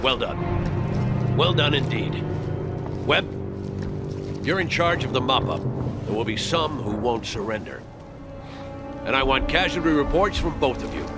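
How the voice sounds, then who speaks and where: Guy playing a stern army colonel, raspy creaky voice, lots of ups n downs, clear music behind. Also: mid-range voice, animated, unhurried, pauses often, close to an everyday voice. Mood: satisfied, commanding. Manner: authoritative, clipped. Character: commanding, stern middle-aged army colonel. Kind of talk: dramatic military game cutscene.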